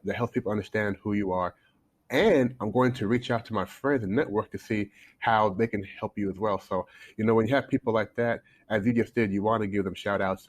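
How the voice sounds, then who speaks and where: Male podcast guest, 40s, from Canada, low-pitched, chatty storyteller who stumbles and restarts. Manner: talkative, storytelling with restarts and repeated words. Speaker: guest, coach. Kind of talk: casual interview talk. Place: home in China, remote call.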